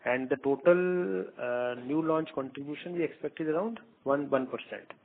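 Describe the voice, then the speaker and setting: An Indian-accented man gives unscripted business answers as a senior executive. His delivery is halting, with words and phrases repeated as he goes. The sound is narrow and tinny, like a phone conference line. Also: on the high side. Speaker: company executive answering analyst questions. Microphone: phone conference call.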